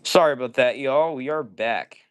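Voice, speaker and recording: A man's voice: medium pitch, normal speed, clear, resonant tone. A man hosting a live stream, chatting casually and reading out viewer messages in slangy, upbeat talk. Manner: upbeat slangy greetings, says "dude" and "yo" often.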